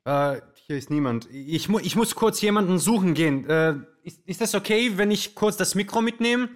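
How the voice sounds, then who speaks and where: A man's voice: high voice, lively intonation, moderate pace. A man playing a harried, flustered radio host in a comic radio play, stammering and pleading his way through a live show. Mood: flustered, searching.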